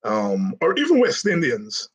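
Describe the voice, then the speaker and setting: Guyanese guy hosting a politics show, slow easy rambling talk, lots of restarts. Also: medium pitch, huge pitch swings, husky. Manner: rambling, warm storytelling with repeated restarts. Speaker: host. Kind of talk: casual livestream talk.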